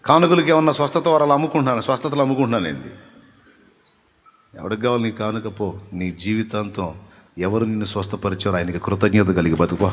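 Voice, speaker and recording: A male pastor preaching a Sunday sermon, emphatic, building to loud repeated phrases and dropping back to quiet asides. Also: on the low side, steady tone, fast. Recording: echoey hall reverb.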